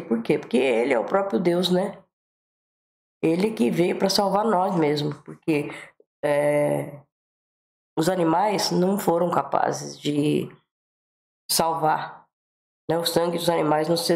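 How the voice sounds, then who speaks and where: A woman's voice: fairly low pitch, creaky, a little mellow, echoey room. A Brazilian woman with a flu-congested, swollen-throat voice, giving a devotional talk and Bible reading.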